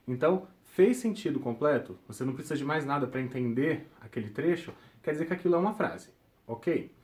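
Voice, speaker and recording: A young man walks students through a grammar lesson. His voice sits somewhat high for a man, and he checks in with the class after nearly every point. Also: expressive, fairly quick, a little mellow. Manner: ends points with check-in tags like "tudo bem?". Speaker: teacher.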